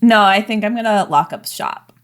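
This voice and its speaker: A young woman playing a tabletop role-play game, soft and hesitant, with ums and trailing sentences. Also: mid-range voice, normal speed. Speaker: player.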